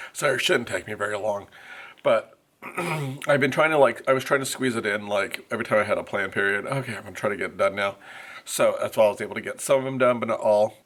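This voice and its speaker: Rambling and chatty with plenty of fillers, a male first grade teacher in his forties talks casually to camera for his vlog, starting in the classroom and moving to a car. His voice is medium-pitched, a bit bright and congested, and faint road noise can be heard.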